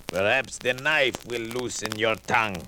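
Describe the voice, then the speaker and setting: An actor playing a brawny, commanding Arab thug, threatening in formal, clipped phrases in old radio drama style. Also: male voice, mid-range voice, measured pace, lightly acted. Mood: menacing. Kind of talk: 1940s radio acting. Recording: old radio recording, faint noise, clicks.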